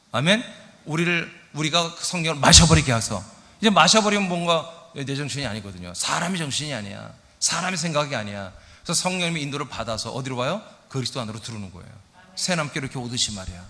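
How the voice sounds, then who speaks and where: A middle-aged male pastor preaching a lively sermon, often asking his congregation questions. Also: on the high side. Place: church sanctuary. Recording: church hall reverb.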